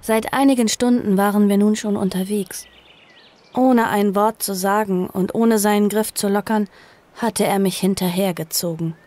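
A woman's voice: medium pitch, steady tone, moderate pace, darkish tone, lightly acted. An actress playing an earnest, frightened girl on the run in a horror audio drama, both narrating and in dialogue. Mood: somber, tense.

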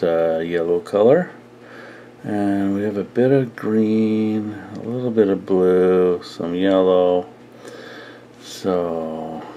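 A man with a deep, gravelly voice talks through his hobby casually. He takes his time, thinking aloud at an unhurried pace, as if showing a friend around his desk. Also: warm tone. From Canada. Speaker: radio hobbyist. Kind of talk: casual demonstration to camera. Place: indoor radio desk at home. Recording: faint background noise.

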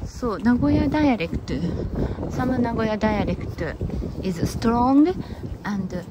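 A woman's voice: a little high, animated, a little slow. A Japanese woman hosting a casual live-stream walk through city streets, switching between English and Japanese and answering viewers' chat. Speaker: live-stream walking host. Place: city streets outdoors, windy. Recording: loud wind and street noise.

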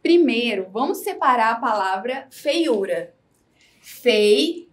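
Brazilian woman, high-pitched, slow and clear, scripted classroom explanation. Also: expressive. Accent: Brazilian Portuguese. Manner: slow, clear, instructive delivery. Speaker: teacher.

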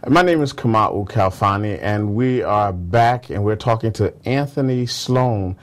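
A man's voice: fairly low pitch, measured pace. A man hosting a casual, conversational interview as the interviewer. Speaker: interviewer, host. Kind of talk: casual radio-style interview.

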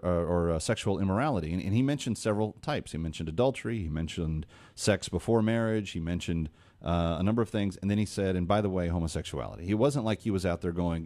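A man in his forties hosting a call-in radio talk show from a studio, talking earnestly with frequent restarts. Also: deep voice. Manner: earnest, animated hand gestures, many restarts. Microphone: studio boom mic.

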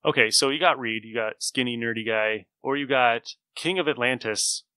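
A man's voice: medium pitch, normal speed, sharp tone, smooth, no echo. A man co-hosting a podcast in a playful, enthusiastic, casual chat. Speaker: podcast co-host. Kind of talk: casual chat about comic books.

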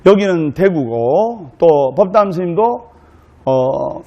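A male Buddhist monk giving a humorous dharma talk to a live audience, telling a story in a jokey, lively way. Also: fairly high pitch, takes it slowly, lo-fi sound.

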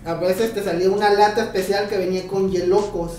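A man with a Mexican Spanish accent, co-hosting a podcast, reminiscing in a relaxed, slangy way. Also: high voice, fairly quick. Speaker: podcast co-host. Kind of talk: casual chat. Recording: very echoey room, far from mic, faint music.

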